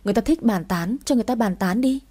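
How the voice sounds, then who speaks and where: A woman's voice: fairly high pitch, fast, mellow, slightly rough. A woman voicing a young, friendly male manager who keeps insisting on being friends, in an audiobook story. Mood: cheerful.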